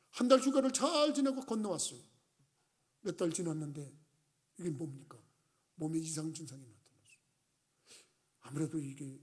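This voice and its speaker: An older man, a senior pastor, preaching a sermon with animated storytelling and acted-out shouts. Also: high voice.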